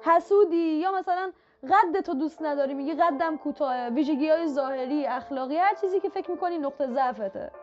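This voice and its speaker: A woman with a high voice talks straight to the listener in a motivational self-help style. She coaches with direct, repeated points. The audio is slightly dull, with faint music underneath. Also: darkish tone. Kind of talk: motivational talk to the viewer.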